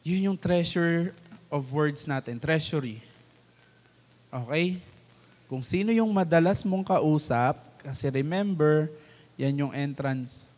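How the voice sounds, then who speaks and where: A man's voice: fairly high pitch, slow pace, long pauses, a little mellow. A man with a Filipino accent giving a conversational church teaching, mixing English into his talk and acting out quoted lines. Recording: church hall with long reverb.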